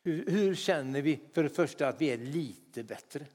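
A man's voice: a little high, expressive, darkish tone, husky. Fervent preacher man in a reverberant hall. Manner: fervent, repeats hallelujah, whispered asides. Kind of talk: sermon.

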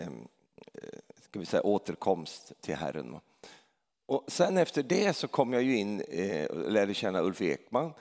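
A middle-aged man preaching a sermon in a chatty storytelling way, often tagging a questioning "va?" onto his lines and building to loud, emphatic peaks. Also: vocal fry. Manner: hesitant restarts, grows loud and emphatic at high points. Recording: long reverb of a large hall.

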